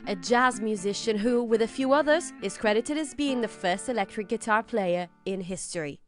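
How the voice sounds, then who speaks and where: Expressive woman presenter over music. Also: on the high side, moderate pace. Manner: playful asides, expressive emphasis. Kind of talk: scripted educational narration, conversational.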